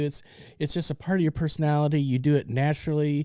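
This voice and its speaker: A dark, mellow tone comes through at a fairly quick pace on a very clean recording with a silent background. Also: man. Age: 60s. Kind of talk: testimony. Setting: studio.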